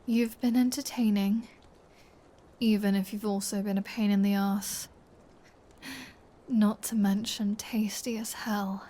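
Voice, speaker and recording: A woman's voice: mid-range voice, flat delivery, measured pace, pauses often, mellow, natural voice. A woman voicing a flirty, menacing vampire in an intimate ASMR roleplay, teasing and sardonic, often slipping into a whisper. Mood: wistful, flirty. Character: flirty, menacing female vampire taunting her captive hunter.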